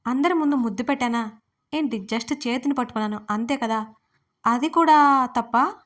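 A woman's voice: on the high side, brisk, close to an everyday voice. A woman reading a bossy, teasing young man. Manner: blunt and teasing.

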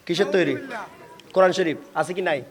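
At a religious gathering, a man from Bangladesh preaches a sermon in a high, slightly fast voice. He calls out to the crowd for responses.

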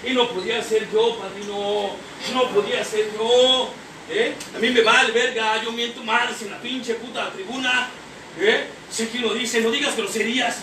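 A man's voice: extremely high pitch, steady tone, unhurried, recorded from a distance. A man with a Mexican accent giving an impassioned testimony at a recovery group meeting, profane and rhetorical, peppering every line with slang and a questioning "eh?". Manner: profane, rhetorical, keeps tagging lines with slang and "eh?". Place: meeting hall. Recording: echoey hall, recorded from afar, noisy.

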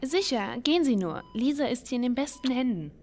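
A woman's voice: high voice, expressive, brisk, darkish tone, a little hiss or hum. An actress playing a soothing yet ominous female caregiver in an audio drama. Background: music.

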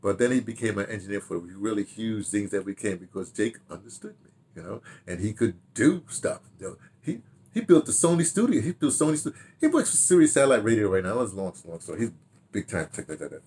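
Older American man, sixties, slightly deep voice, casual storytelling, rambling, stop-and-start phrasing, animated asides. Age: 60s. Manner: halting, repeats words, animated asides. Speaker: radio drama director telling his history. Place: small home study, indoors.

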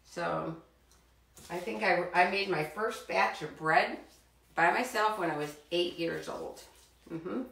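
A middle-aged woman with a slightly low voice chats warmly to children as she shows them how to bake. She talks straight to her young viewers and encourages them. She is picked up by a camera set back in a roomy home kitchen. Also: slow, creaky. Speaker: cooking show host for children. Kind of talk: live cooking demonstration. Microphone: far camera. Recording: roomy kitchen sound from a distance.

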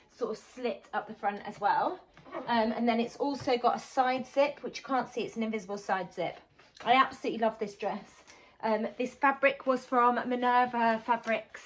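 A woman in her thirties talks through her sewing projects in a loose, rambling way, full of "um"s. Her voice sits a little high and carries a slight sore-throat roughness. She speaks to a camera at desk distance in a small home sewing room. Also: fairly bright tone. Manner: chatty, rambling, many "um"s. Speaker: sewing vlogger and teacher. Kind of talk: chatty sewing catch-up vlog.

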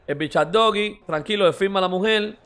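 A man hosting a football reaction video, rambling and mocking in a slangy, excited way. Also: high voice, fairly quick. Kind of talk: excited casual reaction commentary.

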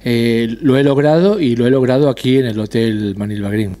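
Middle-aged man, from Argentina, mellow tone, measured and hesitant, handheld mic in a restaurant patio. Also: mid-range voice. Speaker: restaurant owner and dentist. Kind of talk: casual interview answers. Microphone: handheld interviewer mic.

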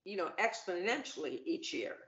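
A woman's voice: on the low side, sing-song, moderate pace, a bit bright. A middle-aged woman chatting on a video call, upbeat and talkative, with many fillers and restarts. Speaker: panel guest. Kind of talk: casual video-call chat. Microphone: video call webcam. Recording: roomy, dull webcam audio.

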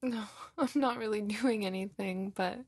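Girl acting as a sweet doting girlfriend for asmr roleplay, soft husky breathy woman, takes her time, really close and dry. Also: medium pitch, normal speed, no echo. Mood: tender, soothing. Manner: cooing, gushing, breathy, often giggling. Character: doting, lovey girlfriend, tenderly comforting her partner. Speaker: roleplay audio performer.

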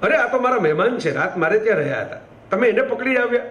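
A man voicing a gentle old priest in a spoken storytelling, talking calmly and kindly. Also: high-pitched, reverberant, recorded from a distance. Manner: calm, kindly, unhurried.

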